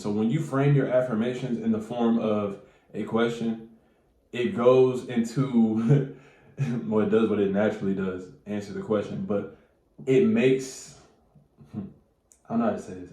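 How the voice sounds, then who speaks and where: A man with a lowish voice and a stuffy nose talks straight to his viewers in loose, slangy, profane language. He gives casual advice in a room with a noticeable echo. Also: fairly even intonation, moderate pace, dark tone. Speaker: manifestation coach.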